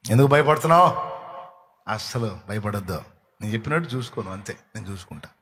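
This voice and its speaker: A man's voice: on the low side, lively intonation, fast, a bit bright. A man preaching a sermon as pastor, repeating his points emphatically and addressing listeners as his children. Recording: long reverb of a large hall.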